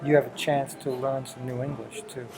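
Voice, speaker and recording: A man's voice: mid-range voice, flat delivery, moderate pace, over music. A middle-aged man chatting casually and encouragingly with his teenage child as the host of a home video. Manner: encouraging, affirms often with "right" and "exactly".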